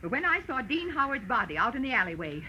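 A woman's voice: a little high, big pitch swings, fast, sharp tone, highs cut off, full character voice. An actress playing a bold, frightened woman witness in a 1940s radio crime drama. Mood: wary. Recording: noisy old radio recording.

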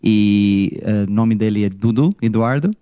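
A young man from California with an American accent, a musician answering interview questions in a second language, pausing and searching for words and slipping into English. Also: fairly low pitch, dark tone, clean tone, dry recording, clean studio sound. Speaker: musician guest. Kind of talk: casual interview.

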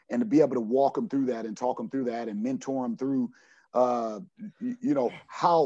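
A man's voice: mid-range voice, warm tone, no echo, highs cut off. A man in his forties, a basketball coach answering podcast questions earnestly, often repeating words as he finds his thought. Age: 40s. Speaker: junior college basketball coach.

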